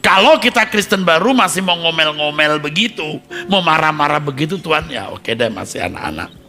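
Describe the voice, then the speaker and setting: An older man preaching a sermon as a pastor, addressing listeners directly and breaking into loud, high emotional cries when acting out prayers. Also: lively intonation, fairly quick, soft background music.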